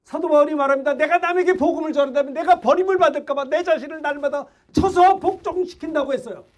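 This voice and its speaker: Middle-aged male preacher, very high-pitched, fiery and shouting, pressing the congregation with questions. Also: fast talker. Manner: shouting, exhorting, rhetorical questions. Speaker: pastor. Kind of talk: fervent Sunday sermon.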